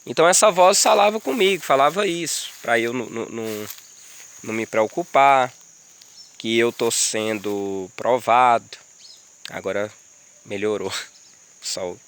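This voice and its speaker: A man's voice: mid-range voice, expressive, a little slow, long pauses, a bit bright, a little hiss or hum. A man, outdoors by a river in a rural area, earnestly telling viewers about a spiritual experience in casual, repetitive speech. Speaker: vlogger sharing a spiritual experience. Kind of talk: casual spoken testimony. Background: insects and crickets, running water.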